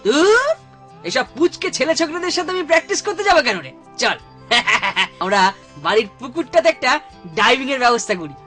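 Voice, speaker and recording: A woman voicing a boastful, mischievous young boy in a cartoon, giggly and excitable. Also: high-pitched, normal speed, full character voice. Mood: scoffing. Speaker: cartoon character. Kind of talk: cartoon voice acting. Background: background music.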